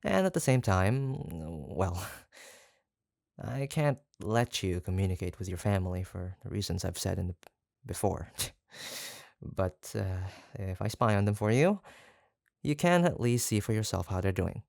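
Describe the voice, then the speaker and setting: An actor voices an obsessive kidnapper in an intimate roleplay audio drama. The delivery is slow and halting, with a gravelly fry, coaxing and gushing with devotion yet faintly menacing. It sounds close and dry. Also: low voice, expressive, a little mellow, no echo, heavily acted. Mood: earnest, scheming.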